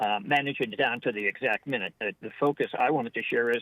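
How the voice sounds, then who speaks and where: A man talks at a very fast pace. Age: 70s. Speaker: caller. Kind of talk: call-in radio show. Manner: halting.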